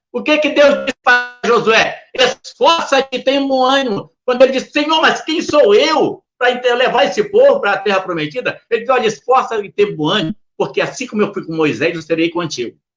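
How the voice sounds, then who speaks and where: Speaking at a fairly quick pace, a man with an extremely high-pitched voice swings very widely in pitch. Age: 60s. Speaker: pastor, Bible teacher. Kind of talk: Sunday school Bible lesson. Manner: informal, conversational with filler words.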